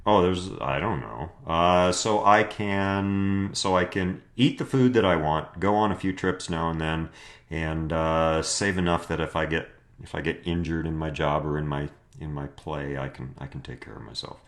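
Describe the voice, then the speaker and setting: A man with a notably low, deep voice that his wife calls a radio voice. He speaks slowly and haltingly, with frequent fillers and restarts, in a relaxed conversation. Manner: hesitant, many fillers and restarts. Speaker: guest spouse. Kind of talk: casual conversation.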